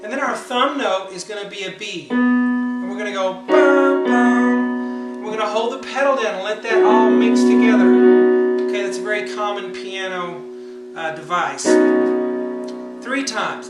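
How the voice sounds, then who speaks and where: A man with a rather high voice giving a casual, relaxed piano lesson at a whiteboard, talking through chords with plenty of fillers. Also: moderate pace. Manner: relaxed, chatty, many fillers, counts beats and hums notes. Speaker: piano teacher. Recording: roomy sound from a distance over loud piano.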